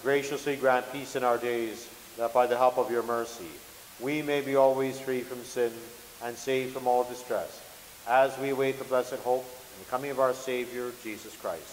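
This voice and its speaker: A man, a Catholic priest, reciting liturgical prayers in a solemn, measured way. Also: medium pitch, steady tone. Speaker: Catholic priest celebrating Mass. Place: large church sanctuary at the altar. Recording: echoey church, long reverb, hiss.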